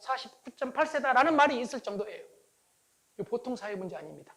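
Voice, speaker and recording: An animated man's voice at an extremely high pitch. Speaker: lecturer. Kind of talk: lecture. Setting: stage with audience.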